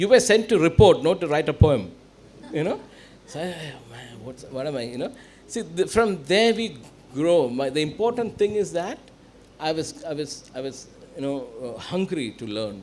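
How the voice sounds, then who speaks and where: A man's fairly high voice at a moderate pace, with very wide pitch swings and big swings in loudness. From Kerala, India (Varkala). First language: Malayalam. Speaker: novelist and journalist. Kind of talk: literary festival panel conversation. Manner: hesitant, full of fillers.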